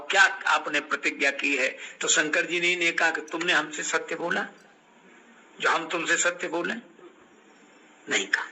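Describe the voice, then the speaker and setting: A man's voice: sits high, bright, forceful tone, a little hiss or hum, rough recording. An older man giving a devotional sermon, telling scripture stories, acting out quoted dialogue and breaking into chanted verse. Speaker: Ram Katha preacher.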